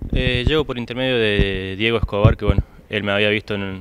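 Over light background noise, a man talks at a fairly quick pace in a fairly low pitch with fairly even intonation, the sound dry with no echo. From Argentina, Córdoba city; Córdoba, Argentina. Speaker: footballer. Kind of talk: interview; interview answer. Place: hall. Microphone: handheld.

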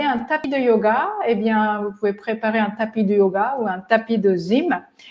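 A woman with a Japanese accent and ordinary pitch variation against a quiet background. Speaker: yoga teacher and coach. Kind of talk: workshop talk with guided exercises. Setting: video call. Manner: halting. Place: home room. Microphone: lapel.

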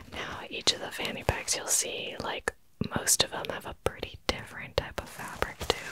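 A woman is whispering at a moderate pace. Her loudness swings a lot. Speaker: video creator. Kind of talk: casual product review chat. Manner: soft, hushed ASMR speaking voice. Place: home room. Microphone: studio mic.

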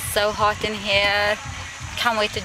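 Loud background noise fills the clip. A woman is speaking. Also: dry sound with no echo. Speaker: reality TV personality. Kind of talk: interview answer. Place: garden. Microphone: phone near.

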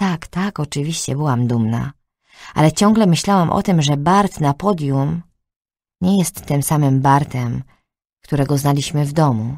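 On a very clean recording with nothing audible in the background, the speaking moves at a fairly slow pace. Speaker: audiobook narrator. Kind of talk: literary audiobook reading, first-person narration. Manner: measured, emotive storytelling pace.

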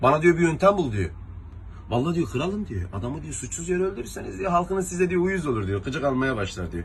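A man's fairly high voice at a fairly quick pace, with very wide pitch swings and vocal fry. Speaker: joke teller. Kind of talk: storytelling a joke to a friend. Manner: casual, colloquial.

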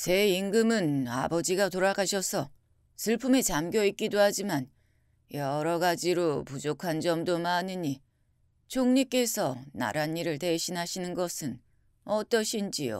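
A woman's fairly low voice at a very slow pace, dry with no echo, over a quiet background. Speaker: storyteller. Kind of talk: bedtime story reading. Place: home room. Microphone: phone near.

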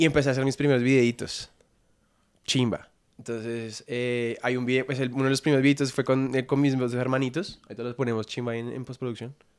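A man speaks at a fairly quick pace in a monotone with flat intonation. The background is quiet. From Colombia. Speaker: content creator. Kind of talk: casual chat. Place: studio. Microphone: studio mic.

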